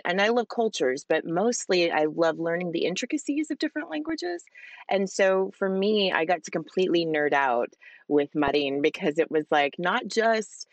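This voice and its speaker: A woman's voice: fairly low pitch, no echo. Enthusiastic woman voice actress, dry sound. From Hispanic family, father with Spanish accent. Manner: enthusiastic, animated, chatty with fillers. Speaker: voice actress guest. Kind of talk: casual interview answers.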